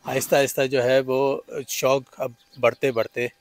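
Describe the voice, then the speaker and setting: A middle-aged man, a doctor who owns the farm, calmly answering interview questions outdoors. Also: mid-range voice, moderate pace.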